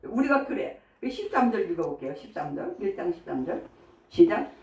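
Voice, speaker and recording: A woman's voice: mid-range voice, very animated, a little fast, a crowd in the background. A woman pastor giving a sermon in a chatty way, often asking the congregation questions. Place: church sanctuary. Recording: echoey church hall from far off.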